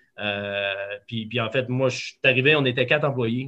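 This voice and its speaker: A man speaks at a moderate pace. His voice is medium in pitch with ordinary pitch variation. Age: 40s. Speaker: entrepreneur. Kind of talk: casual interview.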